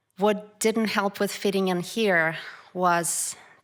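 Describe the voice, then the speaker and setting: In a Russian accent, the speaker talks very slowly with monotone, flat intonation. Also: woman. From Russia, Moscow. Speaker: storyteller. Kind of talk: live storytelling.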